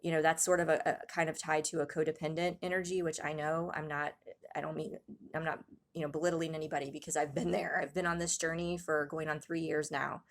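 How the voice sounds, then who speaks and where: A woman giving a casual tarot reading to viewers, talking softly with many pauses and restarts, her throat a little raspy. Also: deep voice, flat delivery. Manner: soft-spoken, hesitant, many ums and restarts, gasps in awe. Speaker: tarot reader.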